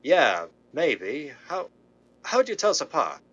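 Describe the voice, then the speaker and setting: Man as a wary crook, swinging, animated delivery. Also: on the high side, unhurried, breathy edge, exaggerated voice. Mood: sceptical. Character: wary, grudging male crooked business partner. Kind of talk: 1930s radio drama acting. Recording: muffled, noisy old-radio sound.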